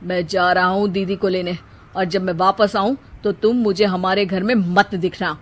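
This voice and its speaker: A woman's voice: mid-range voice, fairly even intonation, moderate pace, lightly acted. A woman voicing a devoted young man in a storybook tale, earnest and emotional. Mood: remorseful. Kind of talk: storybook character voice.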